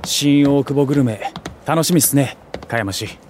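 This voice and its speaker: A young, nerdy guy acted by a man in a voice drama, with a medium-pitched voice. He is keen and chatty, mixing gamer slang with casual deference to his seniors. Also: normal speed, noisy background, natural voice. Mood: eager. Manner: gamer slang, casual junior-style politeness. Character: geeky, slangy young junior, eager food lover. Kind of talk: Japanese voice drama acting.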